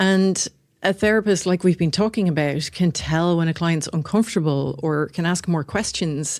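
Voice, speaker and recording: A woman with an Irish accent talks at a fairly low pitch with ordinary pitch variation. The recording is very clean, with a silent background. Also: very even loudness. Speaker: podcast co-host and psychology lecturer. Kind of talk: casual podcast discussion. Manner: fast; animated.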